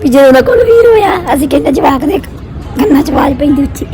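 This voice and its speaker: A young woman chatting casually for a vlog, teasing and complaining through a hoarse, strained sore throat. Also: high voice, animated, a little fast, mellow, some chatter behind. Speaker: family vlogger. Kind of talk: casual vlog banter with partner.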